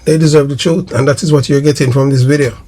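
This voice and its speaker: A man's voice: mid-range voice, steady tone, fast talker, mellow. A Jamaican man delivering emphatic political commentary to his viewers in a declamatory way, repeating phrases for emphasis. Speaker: host of a political history video channel.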